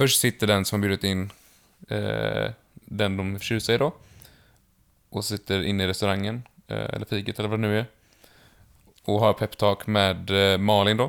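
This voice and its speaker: Set against a silent background on a very clean recording, a man's fairly low voice speaks in a flat monotone at a moderate pace with long, frequent pauses. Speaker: podcast co-host. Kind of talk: casual chat.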